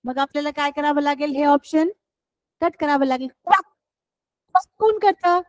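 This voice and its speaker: A woman teacher with a Marathi accent explaining English words to children, slowly and deliberately, often repeating her questions to the class. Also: sits high, a little mellow, dry recording, rough recording. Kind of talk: scholarship exam English lesson for children.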